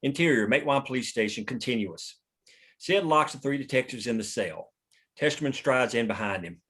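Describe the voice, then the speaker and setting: A man's voice: medium pitch, animated, brisk, a bit bright, slightly rough. Male narrator for a screenplay table read, mid-range voice, reading action lines. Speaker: narrator reading stage directions.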